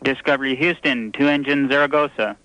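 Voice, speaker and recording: A man's voice comes through a radio transmission link from mission control. He gives clipped, procedural callouts at a middling pitch, brisk and businesslike. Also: fairly even intonation, sharp tone, smooth, poor audio. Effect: radio air-to-ground transmission.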